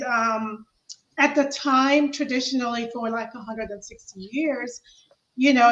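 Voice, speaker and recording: A woman in her forties telling a story in an animated, laughing way as an interview guest. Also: a little high. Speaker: guest, business leader. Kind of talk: casual interview chat. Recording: roomy, muffled sound.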